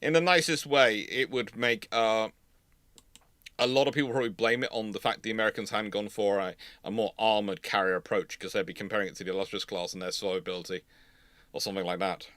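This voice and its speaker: Bright, forceful man explaining history emphatically. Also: lowish voice, fairly even intonation, fast talker, no room sound. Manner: opinionated, emphatic, digressive explaining. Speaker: host, naval historian. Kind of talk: live question-and-answer discussion.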